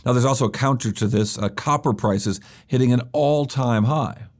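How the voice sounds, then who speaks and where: A man hosting a business news podcast, explaining stock and economic stories briskly with occasional fillers. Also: medium pitch, a little mellow. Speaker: podcast host.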